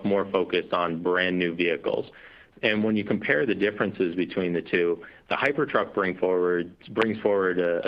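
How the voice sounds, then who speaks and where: A very deep-voiced man answers questions as a company executive on an earnings call. He explains in an unscripted, businesslike way, checking in with small tags as he goes. The sound is slightly dull and lo-fi. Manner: explanatory, frequent you know and right as tags. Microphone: conference call line. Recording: dull, lo-fi conference call audio.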